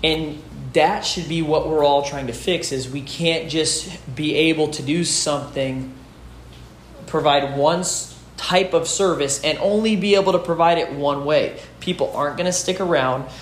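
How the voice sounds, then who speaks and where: His voice sits a little high and moves a little slowly as he urges fellow listeners on in an earnest, relaxed way, hammering home repeated key lines. The speaker runs a gym and hosts a fitness business program. Under the roof of his outdoor home gym, a rainstorm rattles overhead, heard through echoey acoustics.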